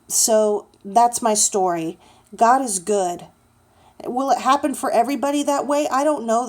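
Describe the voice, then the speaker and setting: A woman in her thirties tells her faith story in an earnest, halting way, with fillers and restarts. Her voice is mellow and warm. Her pitch sits in an ordinary middle range. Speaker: testimony speaker. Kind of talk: personal faith testimony.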